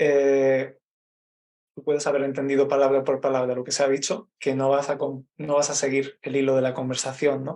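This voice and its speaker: With an Andalusian accent, a man speaks at a moderate pace in a fairly high pitch, his tone dark and mellow and his intonation monotone and flat. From Málaga, Andalusia, Spain. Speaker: Spanish teacher. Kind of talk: interview answer. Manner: casual, conversational.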